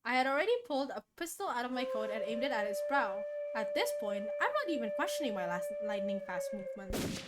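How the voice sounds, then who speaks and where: A woman with a high, very lively voice reads a visual novel on stream over clear background music. She slips between dramatic narration and casual, chatty commentary. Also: quick pace. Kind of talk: reading a visual novel aloud, casual asides. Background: game music.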